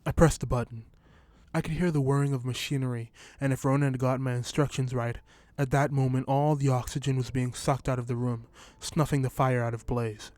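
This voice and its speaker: A man with a middle-pitched voice reads a first-person short story at a steady, even pace that is still fairly quick. The audio is dry, close to the mic, and free of echo.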